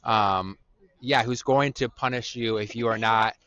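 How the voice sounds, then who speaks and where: Measured man analyzing basketball defense. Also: on the low side, fairly bright tone. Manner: measured and analytical, with frequent "um" pauses. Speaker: podcast co-host. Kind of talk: sports analysis chat. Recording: dull, dry lo-fi audio.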